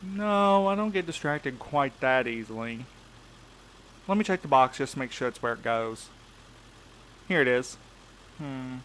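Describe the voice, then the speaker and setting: A man's voice: medium pitch, expressive, measured pace, long pauses, a bit bright, a little hiss or hum. Man playing a jaded, sarcastic night mail courier. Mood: puzzled. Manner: casual, wry. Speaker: voice actor in a fiction podcast. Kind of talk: audio drama acting.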